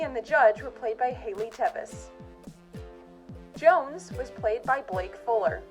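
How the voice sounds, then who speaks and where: Higher-voiced woman announcing drama credits. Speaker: director reading closing credits.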